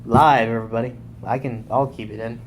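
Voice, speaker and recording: A man's voice: medium pitch, brisk, slight background noise. A young man casually recapping a wrestling show live, rambling and correcting himself as he goes. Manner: rambling, self-correcting, excitable.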